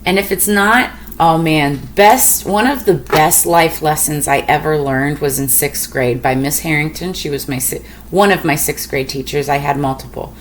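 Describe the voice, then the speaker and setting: A woman's voice: deep voice, normal speed, hardly any pauses, a little hiss or hum. A woman in her thirties, a tarot reader, talking casually to her viewers in a chatty, frank, rambling way. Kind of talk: casual storytelling to camera.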